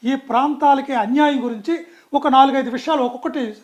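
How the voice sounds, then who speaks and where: A man's voice: very high-pitched, a little fast. A man speaking as a guest in a political interview, talking emphatically and often restarting and correcting himself mid-sentence.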